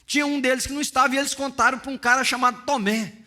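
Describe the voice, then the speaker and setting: A middle-aged pastor preaching with passion, his voice pitched high and ringing bright. He swings between hushed asides and rising, emphatic peaks, acting out the scenes he describes. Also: fairly even intonation, racing. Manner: impassioned, dramatic, acts out scenes. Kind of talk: sermon.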